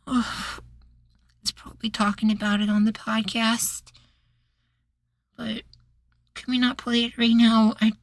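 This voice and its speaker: A man acting a sweet, anxious, devoted young boywife in a soft, pleading ASMR roleplay. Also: very high-pitched, no room sound, full character voice. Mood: tired, tender.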